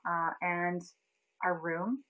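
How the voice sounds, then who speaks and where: A woman's voice: fairly low pitch, drawn-out words, narrow, tinny audio. A young woman from Canada chatting casually on a livestream, telling a story with lots of laughs and greeting viewers by name. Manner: chatty, animated storytelling, laughs often, reads out viewer names. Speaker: livestream host.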